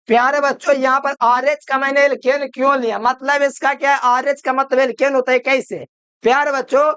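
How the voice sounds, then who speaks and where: Guy teaching chemistry, high clear voice, keeps saying dear kids n asks himself questions. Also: fairly bright tone, no room sound. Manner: keeps calling students dear children, asks and answers own questions. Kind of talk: classroom lecture.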